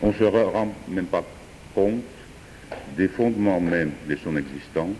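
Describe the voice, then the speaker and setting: A man, a French speaker, improvising a philosophical talk with hesitant pauses and fillers. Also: deep voice, dark tone, a little hiss or hum. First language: Georgian. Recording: distant voice in a reverberant hall.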